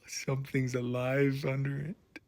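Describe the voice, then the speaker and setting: Man, storyteller, medium-pitched voice, expressive read-aloud for kids, explains as he goes. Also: measured pace. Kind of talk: reading a children's bedtime story aloud, with asides to a listener.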